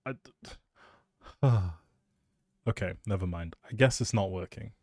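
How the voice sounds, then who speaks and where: A man's voice: sits low, takes it slowly, a little mellow, breathy edge, dry recording. A man chatting casually as a live streamer, rambling in a playful, self-deprecating way into a close microphone.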